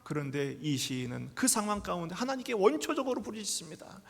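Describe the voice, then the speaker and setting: Male pastor, high voice, live sermon, whispers to near-shouts, church hall reverb. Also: animated, a little fast, vocal fry. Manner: dramatic, swings from hushed whispers to loud outbursts; acts out quoted voices. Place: church sanctuary.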